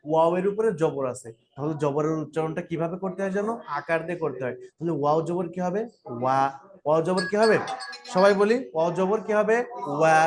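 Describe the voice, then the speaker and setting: Guy teaching quran letters to a class, kinda high voice, says it slow and makes everyone repeat, asks stuff then answers it. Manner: patient, repetitive, asks and answers own questions. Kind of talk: classroom lesson with call-and-repeat drills.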